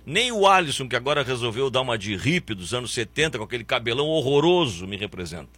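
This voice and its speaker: Man, sports talk host, blunt sarcastic rant, husky bright voice, very animated pitch. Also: fast talker, dry recording. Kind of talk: opinionated football commentary.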